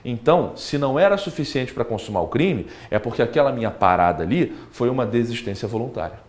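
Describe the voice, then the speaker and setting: A man's voice: medium pitch, fast talker. A man with a Brazilian Portuguese accent teaching law in a recorded exam-prep lecture, talking straight to the student and acting out examples. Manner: animated, talks straight to the student, acts out examples.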